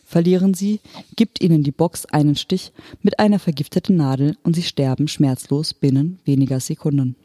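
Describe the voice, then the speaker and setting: Mellow, dry audiobook narration. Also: medium pitch, moderate pace, no room sound. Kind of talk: scripted narration.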